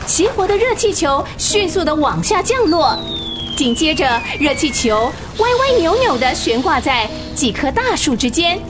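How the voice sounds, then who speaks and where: A woman narrating a children's radio drama with expressive, vivid storytelling. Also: high-pitched, moderate pace, music in the background.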